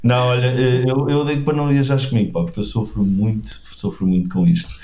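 A man's voice: mid-range voice, steady tone, fast, warm tone, slight background noise. Portuguese man chatting, echoey and dull. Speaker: guest. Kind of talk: casual chat and anecdote. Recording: echoey, slightly dull sound.

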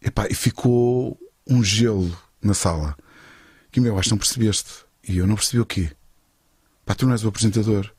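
Slangy man, husky voice, dry recording. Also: fairly low pitch, a little fast, pauses often, dry recording. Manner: slangy, animated storyteller who acts out dialogue. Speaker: guest, voice actor. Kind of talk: casual chat, anecdotes.

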